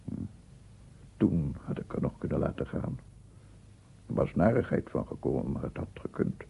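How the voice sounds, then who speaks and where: Weary brooding writer, gravelly, halting muttering, swinging intonation, radio play, narrow tinny recording. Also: male voice, extremely low pitch, animated, exaggerated voice. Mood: anxious, guilty. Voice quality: husky, gravelly. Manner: muttering to himself in broken, halting phrases. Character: brooding, weary male writer tormented by guilt. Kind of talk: radio drama monologue. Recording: muffled, phone-like archive radio recording.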